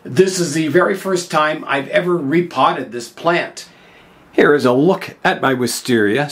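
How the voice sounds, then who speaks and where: An older man with a hoarse voice from a cold, hosting a bonsai channel and chatting casually as he works with his hands in a glass greenhouse, thinking aloud as he goes. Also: mid-range voice.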